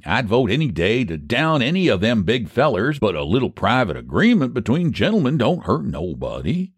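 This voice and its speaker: Storybook role: male reader as a scheming country American pie baker, emphatic and persuasive, raised pitch, very animated, dry sound. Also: moderate pace, breathy edge, dry recording. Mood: argumentative. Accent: rural American. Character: scheming, triumphant rural American pie baker, homespun man.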